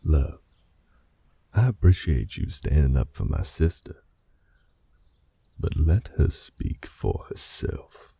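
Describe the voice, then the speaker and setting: Brief: male actor as a gravelly, dark-voiced werewolf alpha, slow and commanding. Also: very deep voice, sing-song, no echo, full character voice. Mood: stern. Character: male werewolf pack leader, protective and stern. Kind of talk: fan audio drama acting.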